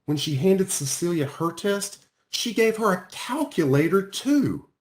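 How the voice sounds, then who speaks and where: A man reading a children's storybook aloud as scripted narration, with expressive, emphatic phrasing. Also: high voice, measured pace. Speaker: author reading their own children's book aloud.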